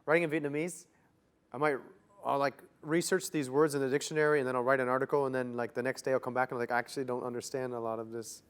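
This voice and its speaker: A man's voice: mid-range voice, fast talker, smooth. A young man from Canada giving loose, casual interview answers, full of "like" fillers. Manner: relaxed, loose, many "like" fillers. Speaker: interview guest.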